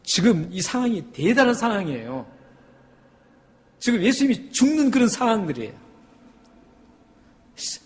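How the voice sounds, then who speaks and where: A male pastor delivers a sermon in a sanctuary, his slightly high voice climbing to loud, emphatic peaks. He keeps asking the congregation questions. A long reverb from the hall hangs behind every phrase. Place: church sanctuary.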